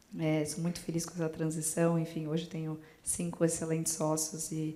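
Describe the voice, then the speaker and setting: This woman's pitch is very deep and low, with monotone, flat intonation. Audible room echo surrounds her voice. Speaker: finance executive, panelist. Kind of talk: panel talk. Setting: event with audience.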